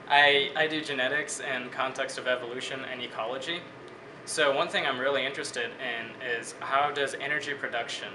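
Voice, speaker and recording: A man in his twenties from Bangladesh talks through his studies as an interviewee, thoughtful and well-spoken. His voice sits at an ordinary middle pitch. The room rings with echo, and an air conditioner hums clearly behind him. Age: 20s. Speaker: interviewee, biology student. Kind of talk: casual interview answers. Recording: echoey room with steady air-conditioning hum.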